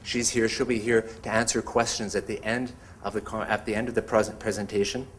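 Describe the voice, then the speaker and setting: A man hosting an evening talk, introducing the speakers in a measured way. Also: on the low side, level tone, slight background noise. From Montreal. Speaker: event host introducing speakers. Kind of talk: event introduction.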